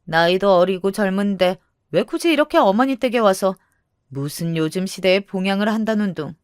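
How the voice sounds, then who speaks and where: A woman's voice: medium pitch, lively intonation, moderate pace, clean tone, no echo, studio quality, close to an everyday voice. A woman voicing a pushy, meddling young sister-in-law in a dramatized story, needling with false concern. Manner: needling, nagging.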